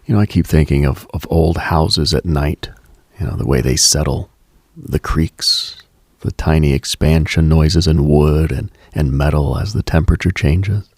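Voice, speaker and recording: Late-night radio host, male, very husky with gravelly fry, contemplative, halting delivery, intimate reflective monologue. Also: extremely low pitch, a little mellow, no room sound, studio quality. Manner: slow, contemplative, halting with pauses.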